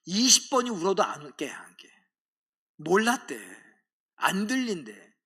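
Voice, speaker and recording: A man's voice: high-pitched, wildly swooping pitch, a little slow, bright, forceful tone, husky. A middle-aged man, a pastor, preaching a sermon in a church, telling stories animatedly and mimicking other people's voices. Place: church sanctuary.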